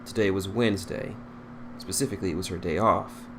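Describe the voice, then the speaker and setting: A man with a low voice narrates a story in an amateur read-aloud style. He occasionally stumbles and repeats a phrase, and there is clear noise in the recording. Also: fairly even intonation, a little fast. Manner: stumbles over words and rereads phrases. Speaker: fan fiction reader.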